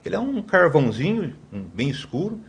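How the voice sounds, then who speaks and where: Expressive middle-aged man telling stories. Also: a little high, a little fast, vocal fry. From Brazil. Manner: rambling with frequent tag questions and restarts. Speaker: guest. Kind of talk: conversational storytelling.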